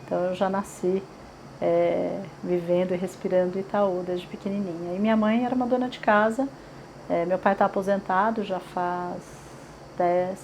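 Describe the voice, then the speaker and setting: A woman's voice: lowish voice, fairly even intonation, moderate pace, a little mellow, slight background noise, rough recording. A woman in her forties from São Paulo with a paulistano accent, chatting in an oral history interview with many fillers and tag questions. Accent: Paulistano Brazilian Portuguese. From São Paulo, Brazil.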